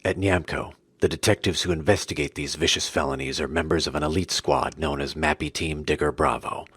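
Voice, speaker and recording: A man voicing a stern, formal courtroom judge who also narrates gravely. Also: a bass voice, fairly even intonation, brisk, fairly bright tone, no room sound, studio quality, exaggerated voice. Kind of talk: cartoon voice acting.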